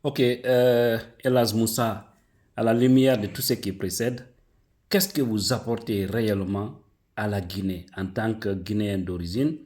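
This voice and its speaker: Man, interviewer, polite, hesitant fillers, low voice. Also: fairly even intonation, measured pace, a little mellow. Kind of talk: interview questions.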